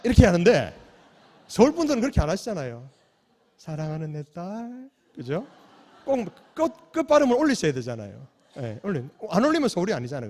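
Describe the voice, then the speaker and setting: Animated male pastor preaching in a reverberant church. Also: a little high, gravelly. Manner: animated preaching, rhetorical questions to the congregation; swings from loud calls to soft near-whispers. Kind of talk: sermon at a night prayer meeting. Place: church sanctuary. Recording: long church hall reverb.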